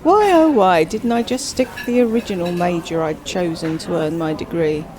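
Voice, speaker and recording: A woman's voice: fairly low pitch, normal speed, crowd noise, close to an everyday voice, poor audio. A woman voicing a chatty, self-absorbed widowed queen who drawls with grand theatrical emphasis. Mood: gossipy.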